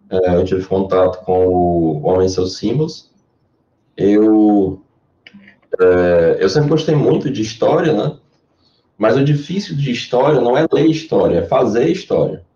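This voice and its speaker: A man's voice: fairly low pitch, measured pace, mellow, distant mic. A man with a Brazilian Portuguese accent, a Jungian therapist answering interview questions in a careful, lecture-like way. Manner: explanatory, lecture-like. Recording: echoey dull lo-fi sound.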